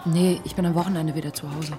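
A woman's voice: low voice, fairly even intonation, fast, natural voice. An actress playing a cool, sardonic woman in her thirties in a naturalistic radio drama, with a dry, blunt delivery. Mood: casual, dry. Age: 30s.

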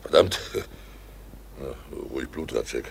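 An actor playing a guilt-ridden, anxious village innkeeper in a crime radio play, halting and stammering. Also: male voice, a bass voice, gravelly, slightly rough, exaggerated voice. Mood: panicked, agitated.

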